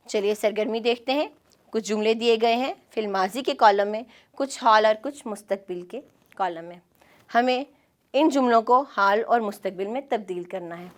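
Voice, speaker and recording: A woman with a Pakistani Urdu accent, teaching a scripted classroom lesson in a clear, measured way. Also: on the high side. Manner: clear, measured instructional delivery.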